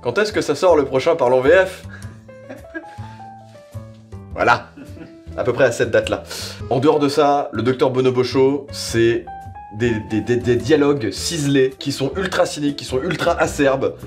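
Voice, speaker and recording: A man's voice: mid-range voice, moderate pace, faint music behind. A man giving a slangy, casual spoken review, rambling conversationally and repeating himself for emphasis. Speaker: reviewer presenting audio series.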